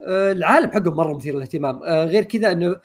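A man chats on a podcast at a breakneck pace, rambling with lots of fillers. His voice is gravelly and a bit husky, and sits slightly high for a man. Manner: rapid, rambling with many fillers. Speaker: podcast co-host. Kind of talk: casual chat.

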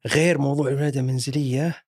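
A man's voice: mid-range voice, fairly even intonation, racing, husky, no room sound, studio quality. A man with a Saudi accent voicing a driven male investigator in a told story. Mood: determined.

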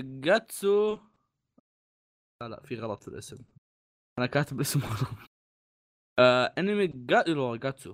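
Quick-talking man, joking. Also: on the high side. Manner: joking, self-deprecating, trails off when unsure. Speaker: podcast co-host. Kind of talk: casual chat.

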